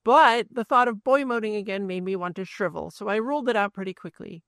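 A woman hosting a podcast, speaking earnestly in a steady, scripted personal monologue. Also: mid-range voice, brisk, no room sound, clean studio sound. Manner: earnest, steady, with show plugs. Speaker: podcast host.

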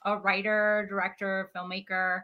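A woman's voice: medium pitch, little pitch movement, moderate pace, dull audio. A woman from Mexico City whose first language is Spanish, a writer and director chatting as a podcast guest in a friendly, talkative way. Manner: chatty, friendly, quotes others lightly. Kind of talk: casual interview chat.

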